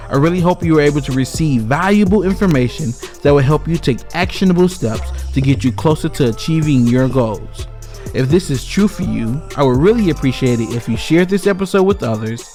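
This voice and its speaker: Young man, measured podcast host. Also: fairly high pitch, darkish tone. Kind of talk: casual chat and podcast sign-off.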